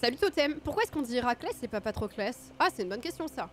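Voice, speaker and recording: A woman's voice: a little high, big pitch swings, fast, slight background noise. A woman streaming a video game with casual, self-mocking commentary, her nose stuffy from a cold. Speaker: gaming streamer.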